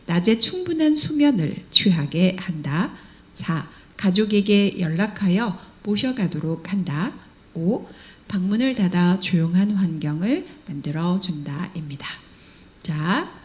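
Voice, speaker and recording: Middle-aged woman, school director, exam-prep lecturer, animated intonation, patient explainer. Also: medium pitch. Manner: explains patiently, acts out residents' remarks. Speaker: care training school director.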